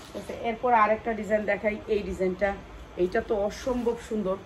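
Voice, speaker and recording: A woman with a Bangladeshi accent doing an insistent hard-sell live sales pitch for wholesale clothing, repeating key phrases and prices over and over. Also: fairly even intonation, a little fast, slight background noise, low-quality recording. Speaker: clothing wholesale seller presenting stock.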